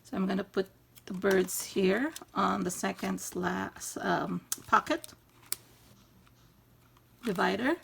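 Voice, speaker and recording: A woman in her fifties with a naturally husky, allergy-hoarse voice, chatting through a craft tutorial step by step. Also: mid-range voice, slow, pauses often, fairly bright tone, a little hiss or hum. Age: 50s. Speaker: craft channel host. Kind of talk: casual DIY tutorial. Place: craft room in a home loft.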